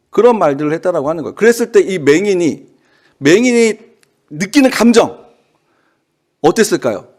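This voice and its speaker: Animated high-voiced man preaching a sermon. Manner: animated preaching, rhetorical questions, bursts of shouting. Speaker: pastor. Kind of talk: dawn service sermon.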